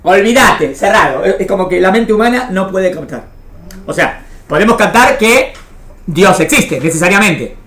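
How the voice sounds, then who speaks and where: An Argentine Spanish-accented woman, a religion teacher, gives an interactive lecture to a small class, repeating phrases and often asking whether everyone understands. Her mid-range voice is expressive and fairly bright, at a normal speed. Her manner is didactic, with frequent questions to check comprehension.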